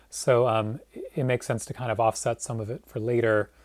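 A man talks in an unremarkable speaking voice at medium pitch. His pace is fairly quick and his intonation fairly even. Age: 30s. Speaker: makeup artist. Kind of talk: interview.

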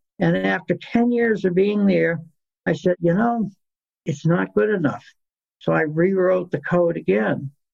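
At a moderate pace, a man with a New England accent speaks in a high voice with lively intonation. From Nantucket, New England, US. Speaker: city planner. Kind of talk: interview.

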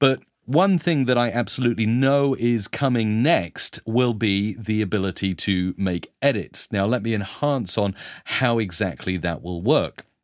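A man with an unremarkable speaking voice talks at a medium pitch and a fairly slow pace. His intonation is lively, and the sound is dry and close with no echo. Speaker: podcast host. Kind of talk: casual chat. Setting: remote recording.

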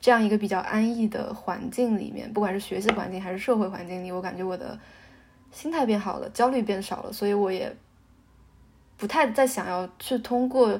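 Moderate pace and medium pitch mark this woman's speech. She has a plain, everyday voice. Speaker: graduate student. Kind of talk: casual chat.

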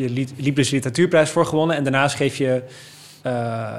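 With noticeable background noise behind him, a man at medium pitch speaks at a fairly quick pace with fairly even intonation. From Netherlands, Alphen aan de Rijn. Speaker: podcast host. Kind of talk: interview. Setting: guest's home in Genoa.

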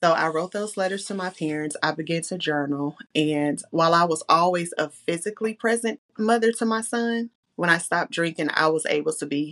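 At a moderate pace, a woman with a Southern US accent speaks at a fairly low pitch with ordinary pitch variation, in a dry, close sound with no echo. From US South, Columbia, South Carolina. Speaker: sobriety influencer and author. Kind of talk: casual chat.

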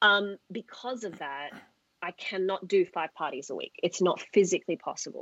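In an Australian accent, a woman with a fairly low pitch talks at a moderate pace, and the sound is dry and close with no echo. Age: 30s. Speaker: hospitality and events business owner. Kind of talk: casual interview chat.

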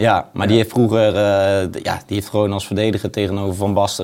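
A man speaks at a very fast pace with fairly low pitch. His intonation is monotone and flat. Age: 30s. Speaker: football journalist. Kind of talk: casual chat.

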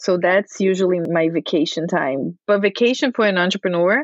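At a moderate pace, a woman with a Portuguese accent speaks at a medium pitch. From Brazil. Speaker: entrepreneur. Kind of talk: casual chat.

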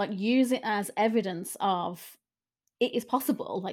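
A normal speaking voice from a woman, fairly high-pitched, ordinary pitch variation throughout. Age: 40s. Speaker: creative coach and illustrator. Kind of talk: casual chat.

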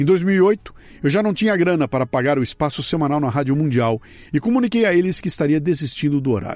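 Very fast delivery with lively intonation. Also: man. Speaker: podcaster and author. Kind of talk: reading aloud with commentary. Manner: casual.

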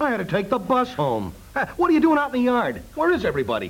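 In a put-on character voice, a man talks at a fast pace. His pitch is extremely high and swings very widely.

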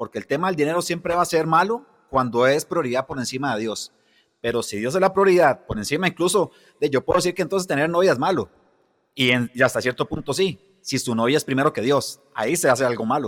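Very fast and with lively intonation, a man talks at a fairly high pitch on a very clean recording with a silent background. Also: dry, close sound with no echo. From Costa Rica. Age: 40s. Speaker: pastor and entrepreneur. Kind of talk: casual chat.

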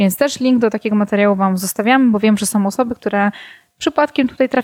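This woman has a plain, everyday voice at medium pitch with ordinary pitch variation. She talks at a fairly quick pace in a dry, close sound with no echo. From Poland, Warsaw. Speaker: podcast co-host, talent coach. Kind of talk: casual podcast conversation.

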